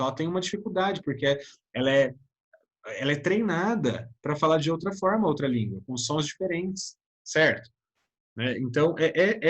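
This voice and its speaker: A man's voice: fairly high pitch, husky. A man with a Brazilian accent teaching an online lesson, chatty and always checking in with his students. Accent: Brazilian Portuguese. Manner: chatty, keeps addressing the class with tag questions.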